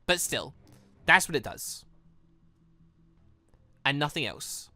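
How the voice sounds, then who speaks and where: A man's voice: fairly high pitch, sing-song, slow pace, sharp tone, no room sound, soft background music, exaggerated voice. A man voicing a guarded, dutiful young male student team leader in a visual novel, speaking plainly and carefully. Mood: reluctant, firm. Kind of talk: visual novel character reading.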